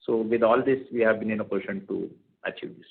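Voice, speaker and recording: Low-pitched man on phone line. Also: fairly even intonation, gravelly. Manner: halting, hesitant phrasing with repeated words. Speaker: company executive. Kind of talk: answering questions on an earnings call. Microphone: telephone conference call. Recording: tinny narrowband conference phone line.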